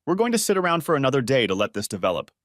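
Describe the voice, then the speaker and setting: A cool, confident young woman lays out her scheme in a brisk, matter-of-fact way, read by a male narrator. The pitch moves a lot. The sound is dry and close. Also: sing-song, dry recording, lightly acted.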